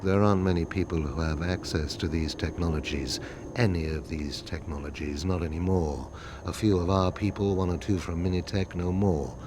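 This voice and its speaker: An actor playing a stern, world-weary intelligence chief in a game cutscene, speaking in a terse, blunt, assured way. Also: male voice, deep voice, steady tone, moderate pace, noisy background, natural voice. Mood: terse, grim. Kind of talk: video game cutscene acting.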